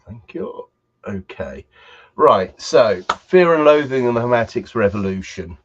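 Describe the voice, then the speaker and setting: A man's voice: medium pitch, sing-song, a little slow. A man hosting a livestream, chatting casually and hesitantly, often half to himself. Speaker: livestream host. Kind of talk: casual unscripted livestream chat. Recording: dull, muffled livestream audio.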